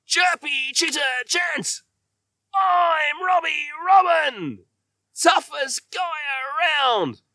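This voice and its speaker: Children's storybook robin, small, male and cocky, played by a man: shrill, shouted, territorial chanting in long drawn-out words. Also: expressive, dry recording, clean studio sound, exaggerated voice. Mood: boastful, defiant. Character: feisty little male robin, boastful and territorial.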